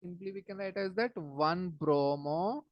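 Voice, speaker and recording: A woman with a South Asian accent teaches chemistry informally, working through ideas step by step, repeating phrases, and checking understanding with short questions. Her voice sits on the low side and her delivery is a little slow. The audio is dull, with no echo.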